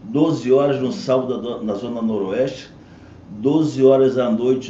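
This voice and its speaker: A man at a fairly slow pace with ordinary pitch variation, audible room echo around him. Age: 60s. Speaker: mayoral candidate and physician. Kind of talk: interview answers, campaign talk. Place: studio.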